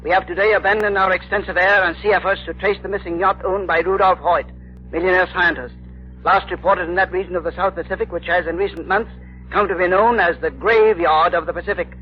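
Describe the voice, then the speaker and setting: An actor playing a formal, authoritative Navy admiral in a 1930s radio drama. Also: male voice, high voice, fairly even intonation, fairly quick, slight background noise, natural voice. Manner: formal, official. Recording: dull old radio broadcast.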